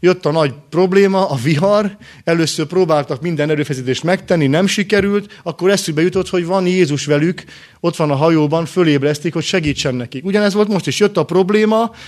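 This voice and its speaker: A man preaching a sermon in short, earnest phrases with rhetorical questions and pauses. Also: fairly high pitch, darkish tone.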